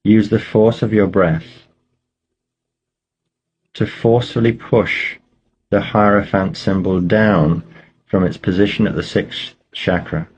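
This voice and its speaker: A man leading a guided meditation, giving slow, measured instructions with pauses between phrases. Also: on the low side, steady tone, slightly rough, muffled recording.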